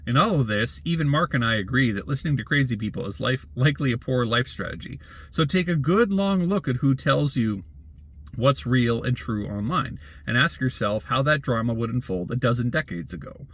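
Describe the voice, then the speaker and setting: A man's voice: mid-range voice, animated, brisk. A man reads a scripted opinion essay aloud as a commentator, in a wry, sardonic, rhetorical manner. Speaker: blogger and commentator.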